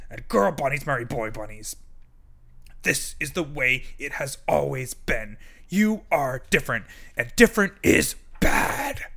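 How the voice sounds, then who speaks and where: A bossy, self-important stink bug booms out his rules in a storybook reading, as a man puts him on. His voice is bright and strained, leaping high when he insists he is in charge. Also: vocal fry, heavily acted.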